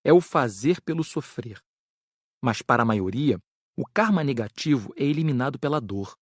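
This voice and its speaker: A man with a Brazilian accent playing an earnest spirit doctor who lectures on an audiobook, measured, didactic and carefully enunciated. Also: medium pitch, lively intonation, no echo, natural voice. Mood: measured, instructive. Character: Frederico, earnest spirit doctor teaching karma.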